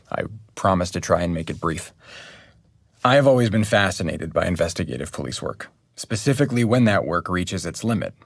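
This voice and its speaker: An actor playing an earnest podcast journalist, narrating a true crime documentary in a measured, serious way. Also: male voice, deep voice, no echo, clean studio sound.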